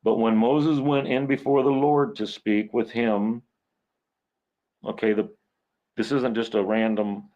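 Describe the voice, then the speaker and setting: A man's voice: fairly low pitch, fairly even intonation, unhurried, pauses often, warm tone, dull audio. A man hosting a casual Bible study, reading scripture aloud and breaking off into rambling, self-correcting explanations.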